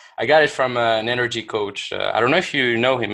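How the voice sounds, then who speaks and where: A man talks very fast in a French accent, at a medium pitch. His tone is bright and sharp. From France. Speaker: podcast host, dating coach. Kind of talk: interview conversation.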